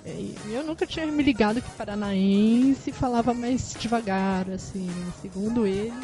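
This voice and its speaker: A woman reminiscing in a relaxed, casual chat. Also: mid-range voice, normal speed, soft background music.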